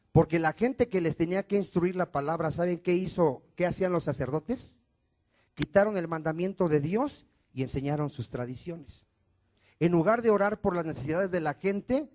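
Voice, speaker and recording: Guy preaching in church, high voice, fires questions then answers them, loud then suddenly quiet. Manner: call-and-response preaching, asks questions and answers them himself; swings from loud emphatic lines to dropped, quiet endings. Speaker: pastor. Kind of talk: sermon.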